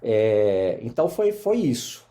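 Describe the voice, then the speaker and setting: Homem mineiro animado, voz escura. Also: male voice, medium pitch, slow. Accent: Mineiro Portuguese. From Minas Gerais, Brazil. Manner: animated storyteller, many fillers. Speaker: lawyer, podcast guest. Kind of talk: casual interview conversation.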